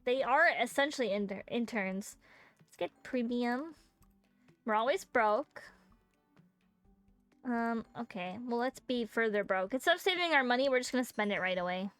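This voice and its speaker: A woman's voice: on the high side, expressive, moderate pace, pauses often, a bit bright, dry recording, faint music behind. A woman streaming a game in casual chat, joking and rambling with many fillers, close to a desk microphone. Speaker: VTuber streamer.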